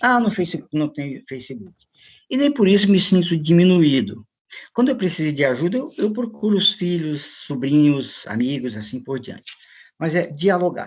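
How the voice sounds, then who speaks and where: The voice moves through very wide pitch swings at a moderate pace. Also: man, high pitch for a man. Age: 60s. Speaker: pastor and lecturer. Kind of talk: online group discussion. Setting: video call.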